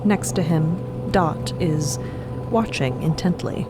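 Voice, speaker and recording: A woman's voice: deep voice, takes it slowly, loud music behind the voice. A woman narrating an adventure story for a fiction podcast in dramatic present tense.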